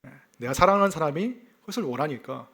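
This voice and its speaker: A male pastor from South Gyeongsang with a faint Gyeongsang accent, giving a sermon in a lively, conversational way. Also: on the high side, fast, creaky, breathy edge. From South Gyeongsang, South Korea. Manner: lively, conversational preaching with self-deprecating laughs.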